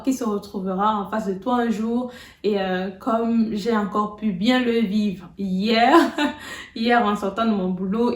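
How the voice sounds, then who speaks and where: A young adult woman giving casual advice in a vlog, chatty and full of fillers and restarts. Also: mid-range voice. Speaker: video blogger. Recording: roomy, distant from the mic.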